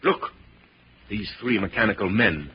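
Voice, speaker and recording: An actor playing a megalomaniac, menacing mad scientist in a grandiose 1940s radio drama style, with a husky, raspy voice. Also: male voice, on the low side, expressive, measured pace, a little hiss or hum. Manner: grandiose, theatrical. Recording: muffled, lo-fi old radio recording.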